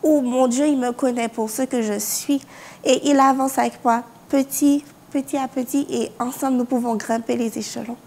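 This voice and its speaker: A woman's voice: high voice, steady tone, normal speed, a little mellow. A young woman from France giving a personal faith testimony as a university student, earnest, with hesitant restarts and small laughs. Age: young adult.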